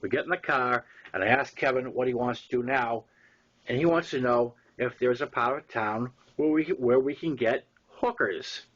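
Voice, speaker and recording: Boston guy reading his story out loud, sharp bright voice, wry little asides, kinda muffled lo-fi audio. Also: medium pitch, moderate pace. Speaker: author reading own novel aloud. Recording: dull lo-fi audio.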